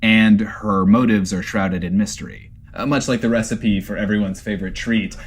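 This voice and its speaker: A man's voice: lowish voice, fairly even intonation, moderate pace, husky. A man playing an anxious, rambling host of a post-apocalyptic comedy variety webshow, theatrical and hesitant in delivery. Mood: puzzled, indignant. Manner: theatrical, hesitant, self-referring.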